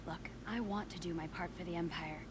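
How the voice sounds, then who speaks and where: A woman playing a confident young undercover rebel in an animated series, brisk and self-assured. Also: on the low side, lightly acted. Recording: music under dialogue.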